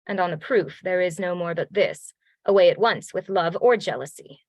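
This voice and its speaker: A woman's voice: on the low side, normal speed, dry recording. A woman reading the part of a proud middle-aged male general gnawed by jealousy, in earnest Shakespearean verse. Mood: resolute. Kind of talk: Shakespeare read-along.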